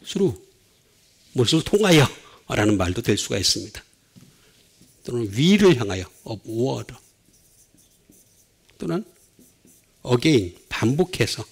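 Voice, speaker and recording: A middle-aged male pastor preaching a sermon, with sudden swings between loud and soft. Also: medium pitch, sing-song, takes it slowly, gravelly, long pauses, husky.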